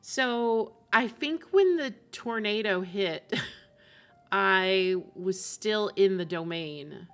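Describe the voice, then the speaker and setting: A woman's voice: medium pitch, animated, very slow, smooth, faint music behind. A woman game streamer chatting casually and talkatively to her live audience. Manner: chatty, often laughs while talking.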